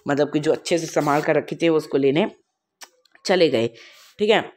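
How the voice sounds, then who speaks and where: Male teacher, slightly high voice, slow and chatty, explains a lesson line by line with lots of fillers. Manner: reads English lines slowly, then explains them in Hindi; casual asides with many fillers. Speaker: English teacher. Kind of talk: explaining a textbook chapter.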